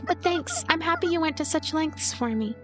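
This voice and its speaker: A woman voicing a gentle, giggly, self-effacing ghost girl in a visual novel, soft-hearted and meekly accepting. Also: high-pitched, lively intonation, moderate pace, soft background music, voice pushed up. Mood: sheepish, grateful.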